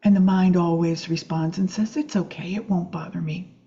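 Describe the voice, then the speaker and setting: A woman meditation teacher guiding a Yoga Nidra practice in a gentle, soothing, unhurried way with long pauses. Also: on the low side, fairly even intonation, gravelly, dull audio.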